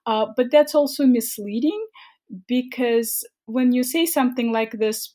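A woman's voice: medium pitch, a little mellow. A middle-aged woman from Russia with a Russian accent, a cooking teacher talking animatedly in an interview and laughing often. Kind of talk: conversational interview.

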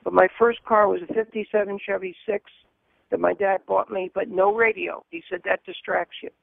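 A man in his seventies with a high voice, calling in to a radio show and rambling enthusiastically about cars. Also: steady tone, normal speed, vocal fry, no room sound. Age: 70s. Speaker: caller. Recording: tinny phone line.

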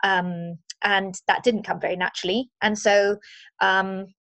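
Energetic coach lady in her 40s, mid-pitched, chatty, lots of ums, dry audio. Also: measured pace, no echo. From Zimbabwe. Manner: upbeat, chatty, many fillers. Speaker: guest, movement and mindset coach. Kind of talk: casual interview chat.

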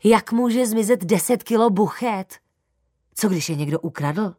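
A woman narrating a children's story in the first person as a girl, lively and playful with whispered asides. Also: mid-range voice, no echo, studio quality.

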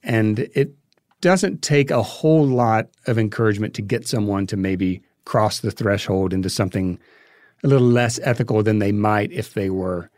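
A man's voice: on the low side, moderate pace, darkish tone, no echo. Man explaining history, close dry sound. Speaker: interview guest, filmmaker and podcast creator. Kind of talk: conversational interview, explaining history.

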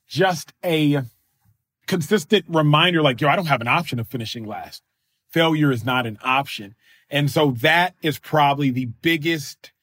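A man in his thirties, a podcast guest, talking in an energetic, emphatic, slangy way. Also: a little high, no echo. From Nigerian family, raised in the US. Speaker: podcast guest, former football player. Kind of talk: casual interview talk.

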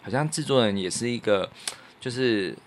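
A man's voice: mid-range voice, lively intonation, moderate pace, slight background noise. A man with a Taiwanese Mandarin accent chatting casually and reflectively as a podcast co-host, in a modest, self-effacing way. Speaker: podcast co-host, radio producer. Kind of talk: casual chat, reflective storytelling.

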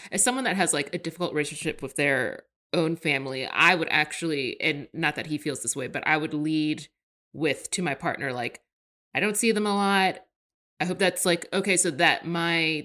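A young woman co-hosting a podcast, relaxed and thinking aloud as she talks. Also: low-pitched. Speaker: podcast co-host. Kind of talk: casual chat.

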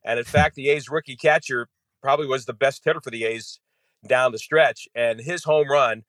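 A man's voice: mid-range voice, fairly even intonation, moderate pace, a bit bright, no echo. Man recounting a baseball game in detail. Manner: detailed storytelling, frequent "you know". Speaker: radio play-by-play announcer, guest. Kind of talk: conversational game analysis.

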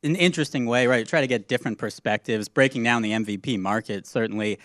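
A man guest on a sports betting podcast, talking through odds in a measured, analytical way. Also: mid-range voice, a bit bright, no echo, clean studio sound. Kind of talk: casual podcast chat.

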